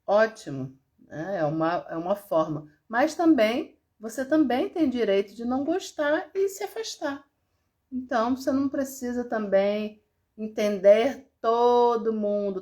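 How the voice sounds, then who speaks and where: A woman from Brazil, a therapist with a Brazilian accent, talking casually to viewers on a live stream and laughing now and then. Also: on the high side. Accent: Brazilian Portuguese. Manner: chatty and warm, laughs often, reads out viewer comments.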